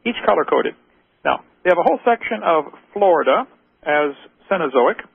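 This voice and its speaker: A man's voice: on the high side, gravelly, slightly rough, no echo. A man hosting a call-in radio show, arguing with a caller in a lecturing way and firing off rhetorical questions. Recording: tinny phone-line radio audio.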